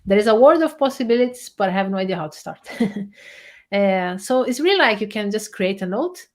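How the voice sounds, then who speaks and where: Animated woman guest explaining a demo. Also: mid-range voice, brisk. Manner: animated, explains while clicking through a screen demo, many restarts. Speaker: guest researcher and software developer. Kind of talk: casual interview and screen demo.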